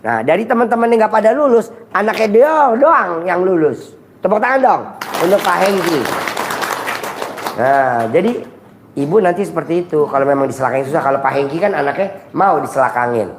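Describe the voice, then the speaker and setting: A man's voice: sits high, expressive, brisk, crowd noise, noisy background. A man hosting a live advice session, teasing the audience with crude jokes and calling people "Bos". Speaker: host giving advice sessions. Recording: echoey room with faint ambience.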